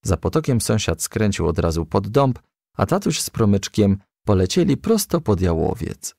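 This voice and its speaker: A man narrating a children's storybook as a gentle, lively storyteller. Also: lowish voice, normal speed, gravelly, no echo, clean studio sound.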